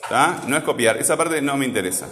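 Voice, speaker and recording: A man's voice: mid-range voice, fast talker, bright, forceful tone, a little hiss or hum. A man teaching a classroom lesson, asking the class patient questions and checking in with "¿tá?", wearing a face mask. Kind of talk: classroom lesson on word stress. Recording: echoey classroom with long reverb.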